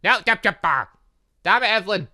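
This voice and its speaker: A man giving excitable, rambling casual commentary as he plays a visual novel as a gaming host. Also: high-pitched, a little fast. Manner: excitable, rambling, reacting aloud. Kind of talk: casual game commentary with lines read aloud from a visual novel.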